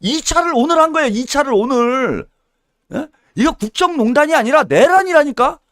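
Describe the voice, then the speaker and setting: A man's voice: very high voice, animated, normal speed, a bit bright, no room sound, clean studio sound. A man giving a solo political commentary, heated and scolding, with mocking insults and little acted-out dialogues. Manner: acts out little mock dialogues.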